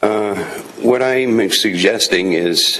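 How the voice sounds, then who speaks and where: A man at a fairly low pitch, very slow, with fairly even intonation, amid noticeable background noise and audible room echo. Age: 60s. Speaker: public delegate. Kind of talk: public presentation to city committee. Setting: city council committee chamber.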